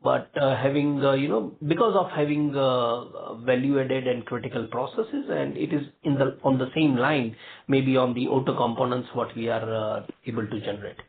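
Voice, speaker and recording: A man with an Indian accent speaks over a narrow, tinny conference phone line. He answers as a company executive, feeling his way through phrases in a halting manner. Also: mid-range voice, gravelly. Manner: halting, hedged phrasing with repeated filler phrases. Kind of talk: earnings call question and answer.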